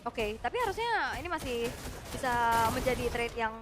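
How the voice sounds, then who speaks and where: High-pitched Indonesian female esports caster. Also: very animated, moderate pace. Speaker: esports commentator. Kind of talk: live esports commentary. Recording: broadcast with music behind.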